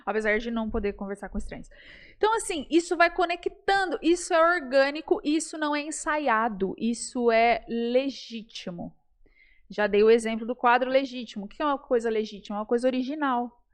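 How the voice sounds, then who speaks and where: A Brazilian woman speaking as a guest in a casual podcast interview, animated and playful, often addressing the audience directly. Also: on the high side, fairly quick, clean tone. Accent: Brazilian Portuguese.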